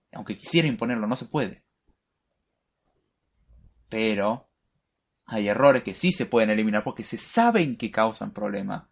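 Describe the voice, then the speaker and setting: A man's voice: mid-range voice, husky. A man, hosting a live programming lesson, lecturing in an opinionated, emphatic way. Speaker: programming show host.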